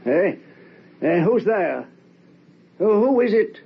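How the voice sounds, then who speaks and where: An actor playing a nervous, evasive middle-aged widowed father in an old-time radio drama, halting and stammering in agitation. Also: high voice, big pitch swings, vocal fry, full character voice. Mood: startled, fearful. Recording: dull, noisy old radio recording.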